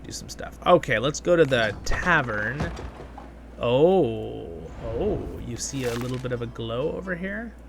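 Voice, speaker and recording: A man's voice: mid-range voice, animated, measured pace, vocal fry, noisy background. A man hosting a gaming channel, chatting enthusiastically and thinking aloud in casual gameplay commentary. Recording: music playing behind the voice. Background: music.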